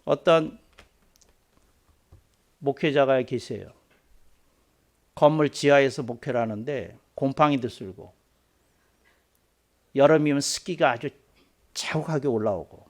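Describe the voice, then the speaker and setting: A Korean man who is a pastor, preaching a sermon in a storytelling way that slows down for emphasis. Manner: storytelling, voicing quoted people with rising pitch and force.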